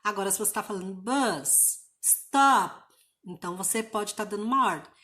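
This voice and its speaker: A woman from Brazil teaching an online English lesson, explaining pronunciation rules patiently and repeating example words slowly. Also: mid-range voice, bright, forceful tone.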